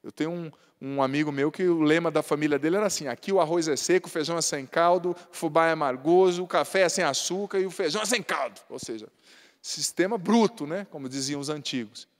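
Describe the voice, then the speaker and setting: A Brazilian priest preaches in a folksy, humorous way, often tagging his points with questions. His voice sits high for a man. It rings out with a long reverb, as in a large hall. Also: fast. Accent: Brazilian Portuguese. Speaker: Catholic priest. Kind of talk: sermon.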